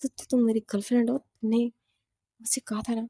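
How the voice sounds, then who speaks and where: A woman's voice: on the high side, little pitch movement, fairly quick, dark tone, no room sound, clean studio sound. A woman voicing a pushy young male college student who stammers and keeps pressing a girl to talk to him. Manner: stammering, insistent.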